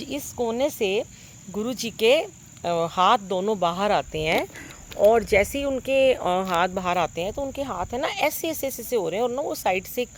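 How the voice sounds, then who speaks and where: A middle-aged woman telling a congregation about a dream. She sounds full of wonder and earnest, with lots of pauses and fillers, recorded on a phone propped nearby. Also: a little high, slight background noise. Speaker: devotee sharing a dream with a congregation. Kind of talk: devotional storytelling.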